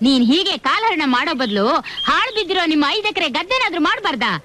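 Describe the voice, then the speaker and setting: A woman's voice: very high voice, very animated, fast, pushed and bright, a little hiss or hum, heavily acted. An actress playing a middle-aged village mother who scolds and talks indignantly.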